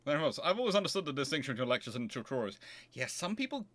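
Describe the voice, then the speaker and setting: A man with a bright, forward voice hosts a casual livestream. He rambles through digressions, often cutting himself off and restarting, with a dry, sarcastic edge at a middling pitch. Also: very animated. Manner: halting, digressive, self-interrupting. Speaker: livestream host answering chat.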